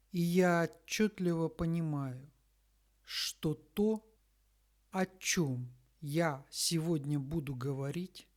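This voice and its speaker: A woman reading a scripted spiritual message in a solemn, deliberate manner, breaking it into short phrases with long pauses. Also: deep voice, a little mellow. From Russia.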